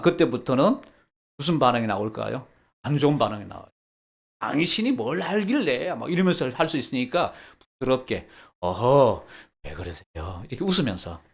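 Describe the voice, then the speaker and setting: A pastor with a fairly high voice talks fast as he preaches a lively sermon. He acts out quoted dialogue and leads the congregation through practice.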